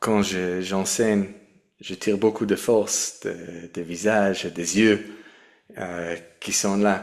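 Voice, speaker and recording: A man speaks at a very slow pace with a non-native accent. His pitch is fairly low and his intonation fairly even. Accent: foreign accent in French. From Israel and England (Jerusalem, London). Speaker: rabbi. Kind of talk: lecture. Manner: halting.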